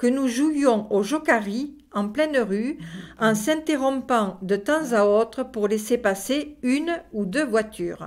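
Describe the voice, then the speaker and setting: A woman speaks at a very slow pace with lively intonation and a fairly high pitch. The recording is very clean, with a silent background. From southwest France, Auch (Gers). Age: 60s. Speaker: elderly resident recalling memories. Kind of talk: reading aloud.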